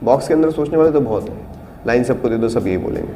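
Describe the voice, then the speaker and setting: Soft music plays behind a man leading an acting class in a studio room, where the reverberant space carries faint background noise. With a medium-pitched, expressive, mellow voice at a quick pace, he patiently walks through auditions and performs lines in different tones and volumes.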